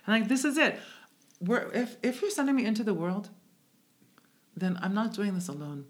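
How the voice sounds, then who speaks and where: A woman's voice: mid-range voice, sing-song, normal speed. A woman guest from the United States, a native speaker of English and Hebrew, talking reflectively in a conversational interview. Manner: reflective, searching, with restarts.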